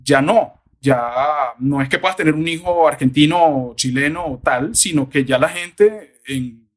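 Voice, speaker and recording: A man answering interview questions on diction and accents in a lively, rambling way. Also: on the high side, measured pace. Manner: animated, discursive, frequent "o sea" asides. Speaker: guest, voice and diction expert. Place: lives in the United States.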